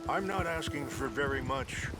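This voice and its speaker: An actor playing a dignified, patient older tribal leader, speaking formally and courteously in a video game drama. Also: male voice, medium pitch, moderate pace, close to an everyday voice, rough recording. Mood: troubled, hopeful. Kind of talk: naturalistic game cutscene acting. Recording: loud music under the dialogue.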